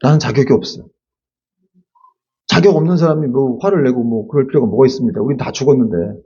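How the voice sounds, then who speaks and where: A male pastor giving a lively Sunday sermon, acting out quotes and adding casual asides to the congregation. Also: medium pitch, quick pace, slightly rough, dull audio. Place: church sanctuary.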